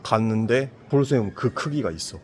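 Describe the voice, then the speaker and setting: A man's voice: medium pitch, fairly quick, slight background noise. A man hosting a Christian channel, chatting reflectively on a trip and sometimes acting out imagined villagers. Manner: reflective, acts out imagined villagers in lively voices. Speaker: Christian apologetics channel host. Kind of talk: casual travel conversation.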